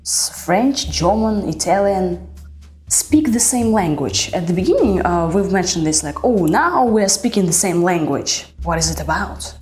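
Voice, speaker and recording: A woman's voice: fairly low pitch, lively intonation, moderate pace, darkish tone, faint music behind. Russian woman teaching English vocabulary. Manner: questioning, teacherly, explains vocabulary step by step. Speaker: podcast co-host, English teacher. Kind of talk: language-lesson podcast chat.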